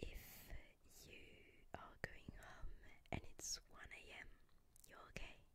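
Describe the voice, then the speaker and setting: Very slowly, a woman speaks in a whisper. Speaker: ASMR creator. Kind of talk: ASMR whispered talk. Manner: whispered. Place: home room.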